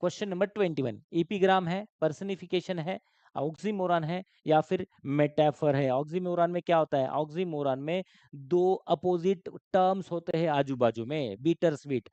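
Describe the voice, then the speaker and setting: A male online exam-prep teacher runs a live online class in a slightly high, mellow voice at a moderate pace. He quizzes students and repeats terms, mixing English terms into Hindi. The recording is dry and dull, with no room sound.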